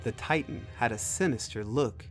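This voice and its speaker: A man's voice: medium pitch, moderate pace, faint music behind. A man narrating a scripted science fiction story.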